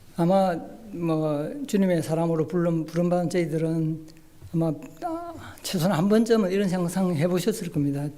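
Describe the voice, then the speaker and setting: In a room with audible echo, a man speaks at a high pitch with fairly even intonation. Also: moderate pace. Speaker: church elder giving a devotional. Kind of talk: sermon; reading aloud. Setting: church. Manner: halting.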